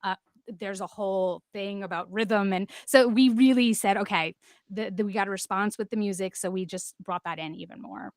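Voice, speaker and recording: A woman's voice: mid-range voice, normal speed, no echo, studio quality. A woman talking casually as a panelist, in hesitant, stop-start phrases. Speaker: panelist, podcast creator. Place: remote online panel call.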